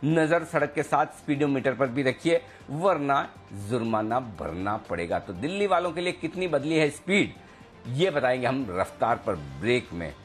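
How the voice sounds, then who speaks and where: A man with an Indian accent presenting live market news, announcing upcoming shows in a brisk manner with punchy slogans. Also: mid-range voice, sing-song, faint music behind. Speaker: news anchor.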